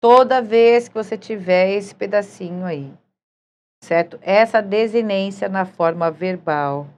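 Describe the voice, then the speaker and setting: A woman's voice: mid-range voice, a little slow, a little mellow. A woman teaching a recorded grammar lesson, patient and often checking in with her students. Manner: patient, checks in with frequent "certo?".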